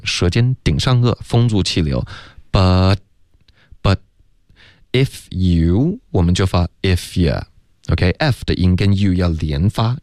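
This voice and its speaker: A man teaching English on a radio lesson, explaining pronunciation slowly and laughing often. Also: low voice, a little mellow, dry recording, studio quality.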